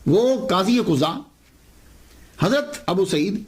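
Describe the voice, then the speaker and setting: Animated man telling a devotional story. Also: sits high. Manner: animated storyteller, repeats key phrases, asks and answers his own questions. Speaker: religious lecturer.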